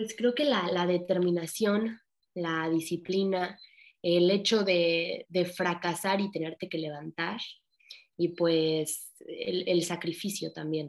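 This woman speaks at a very slow pace, her pitch fairly low. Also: ordinary pitch variation. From Mexico, Veracruz. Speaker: Olympic kayaker. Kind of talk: interview.

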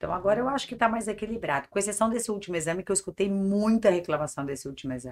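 A woman talks at a very fast pace with hardly any pauses. Her pitch is medium and her intonation lively. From Brazil, Mato Grosso do Sul (Dourados). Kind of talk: interview.

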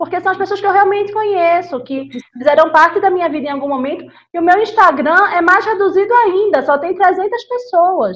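With a Brazilian accent, a woman speaks at an extremely high pitch. Her pitch moves up and down an ordinary amount. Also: moderate pace. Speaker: business reputation expert. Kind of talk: casual chat.

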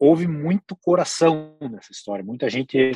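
A man with a fairly high pitch has a plain, everyday voice. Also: dry, close sound with no echo. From Brazil, Paraná. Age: 30s. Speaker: business executive. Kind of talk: interview.

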